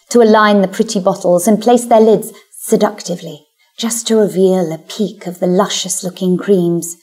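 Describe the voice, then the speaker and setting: A woman's voice: fairly low pitch, darkish tone. A woman with a British accent narrating a first-person story in a wry, confident, self-mocking way. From Britain. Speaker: audiobook narrator.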